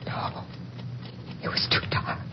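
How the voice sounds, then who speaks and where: An actress playing a frightened farm wife in a 1950s radio drama, speaking in an urgent hush. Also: female voice, slow pace, close to an everyday voice. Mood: shaken. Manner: hushed, breathy, urgent. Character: frightened farm wife whispering to her husband. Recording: noisy muffled old radio recording.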